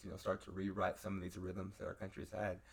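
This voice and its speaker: The voice is somewhat breathy. The words come at a very fast pace. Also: man. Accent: American. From Texas (Denton). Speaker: college student and track athlete. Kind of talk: casual chat.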